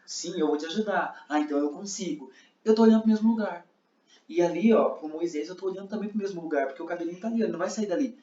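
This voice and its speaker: A man teaches a class, walking his students through each step and often pausing to check that they follow. His voice sits a little high. The room echoes around him, and the recording sounds a bit muffled. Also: warm tone. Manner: explains with many checks like "tá?" and demonstrates lines aloud. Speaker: sign language interpreting teacher.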